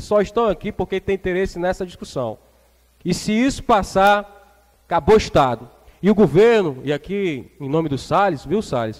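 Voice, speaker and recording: Against a quiet background, a man speaks at a moderate pace with a high pitch. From Porto Velho, Rondônia, Brazil; Rondônia, Brazil. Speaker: state legislator chairing a public hearing. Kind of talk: public hearing speech. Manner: halting. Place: hall. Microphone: podium.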